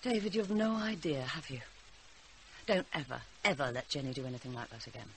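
A woman's voice: deep voice, animated, a little fast, a bit bright, slight background noise. An actress playing a fretful, exasperated mother with a British accent in a radio drama. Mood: agitated. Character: anxious, exasperated mother of a teenage girl.

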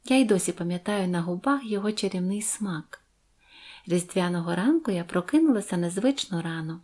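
A woman narrating a Christmas fairy tale in the first person, gentle and expressive. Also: on the low side, fairly quick. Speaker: audiobook narrator. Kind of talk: storytelling narration.

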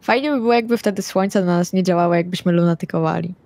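A woman's voice: on the low side, fast talker, a little mellow, no echo, natural voice. A woman playing a blunt, chatty female vampire in an improvised tabletop roleplay. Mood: musing.

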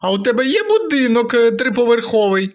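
A man's voice: very high-pitched, very animated, fairly quick, voice pushed up. A man doing a complaining young son. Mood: aggrieved. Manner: aggrieved, complaining.

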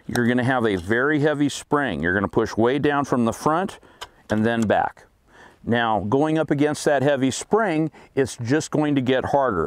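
A middle-aged man, hosting a firearms demonstration and explaining each step plainly. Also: mid-range voice. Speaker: host.

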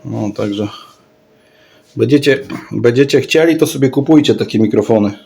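A man's voice: mid-range voice, normal speed, gravelly, a little mellow. A man giving a casual, off-the-cuff product showcase in a rambling way, often repeating his words and phrases. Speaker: radio hobbyist vlogger.

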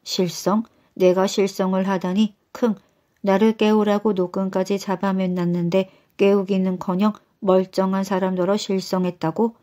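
A woman's voice: mid-range voice, level tone, normal speed, dark tone, close to an everyday voice. A woman voicing a grumpy old man with a blocked nose who snorts before he talks and scolds his wife. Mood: scolding.

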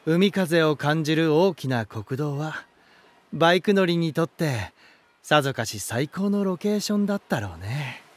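An actor playing an elegant, romantic lighthouse spirit in a voice drama, gentle and warm, with poetic, softly teasing delivery. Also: male voice, on the high side, animated, moderate pace. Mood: wistful, fond. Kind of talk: Japanese voice drama monologue and dialogue. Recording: music behind. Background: music.

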